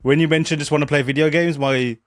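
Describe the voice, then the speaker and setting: A man's voice: on the high side, fairly even intonation, fast, dry recording. A man hosting a podcast, chatting loosely with lots of fillers. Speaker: podcast host. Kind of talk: casual interview chat.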